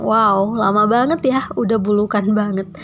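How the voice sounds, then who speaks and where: Music in the background behind a woman's fairly high voice at a fairly slow pace. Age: 30s. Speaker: vlogger and homemaker. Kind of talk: vlog voice-over. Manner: friendly, chatty.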